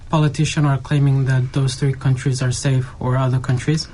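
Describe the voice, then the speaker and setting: Man, flat delivery, earnest opinion in group talk, light ambient noise. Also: medium pitch, brisk.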